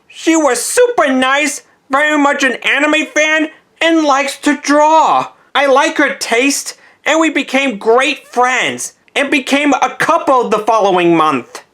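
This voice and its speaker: Brief: woman playing a moping boy superhero, high bright voice, slow halting confession. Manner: mopey, halting, rambling confession. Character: young male superhero, gloomy and self-blaming. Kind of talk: amateur fan-film voice acting.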